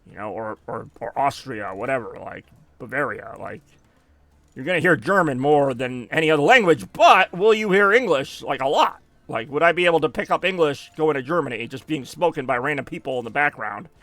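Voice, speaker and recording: An American man streams a video game and chats casually, rambling, often correcting himself and reacting whenever his character dies. His voice sits at a medium pitch, runs a little fast and sounds slightly bright, with no room sound at all.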